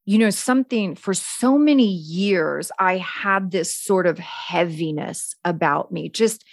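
A woman's voice: on the low side, takes it slowly, no room sound. A woman hosting a podcast talks casually and chattily. She fills her sentences with "like". The sound is dry and close to the mic. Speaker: podcast host. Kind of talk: podcast conversation.

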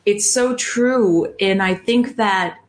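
An American podcast host in her fifties chats warmly and slowly in a mid-range voice during a casual interview. She laughs often and talks about herself in a personal way.

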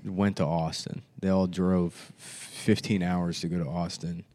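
American male comedian hosting a podcast, notably deep voice, loose conversational delivery. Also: level tone, a little slow, dark tone. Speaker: podcast host and touring comedian. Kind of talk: casual chat. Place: podcast studio.

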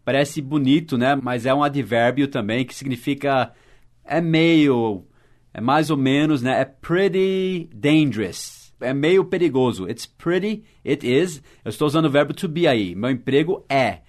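A man with a Brazilian Portuguese accent hosts a mini-podcast English lesson. He talks in a patient, explanatory way and spells out words slowly, letter by letter. His voice sits at an everyday middle pitch. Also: a little mellow. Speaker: English teacher.

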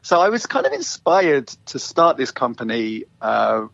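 A middle-aged Londoner, appearing as an interview guest, casually tells how he got his walking tour business going. His medium-pitched voice is very animated yet unhurried, with vocal fry and a fairly bright tone, and the dry recording sounds slightly dull and lo-fi.

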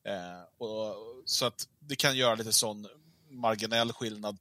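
A man's voice: lowish voice, bright, forceful tone, dry recording. A man speaking as a guest in a casual political discussion, arguing his view with frequent fillers and hesitations.

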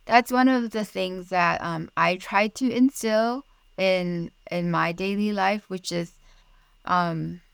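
Soft-spoken Malaysian-born woman, low and smooth. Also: slow pace, no room sound. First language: Mandarin. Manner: earnest and reflective, with light laughs. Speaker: podcast guest, Bible study writer. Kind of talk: casual interview conversation.

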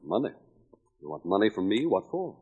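An actor playing a proud, hot-tempered astronomer who speaks in curt, threatening lines, in 1940s radio acting on an old radio show recording. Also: male voice, fairly low pitch, sing-song, normal speed, warm tone. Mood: angry. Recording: dull old broadcast with long reverb.

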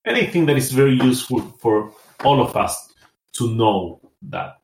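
A man's voice: mid-range voice, expressive, normal speed, echoey room, a little hiss or hum, low-quality recording. A man from Rapa Nui who works on indigenous policy, speaking thoughtfully in a conversational interview with many hesitations. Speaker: indigenous policy council member.

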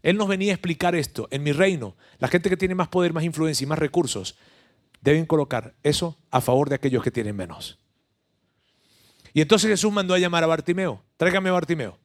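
A man preaches a sermon, retelling the story with lively drama and addressing his listeners directly. His voice sits somewhat high for a man. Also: brisk.

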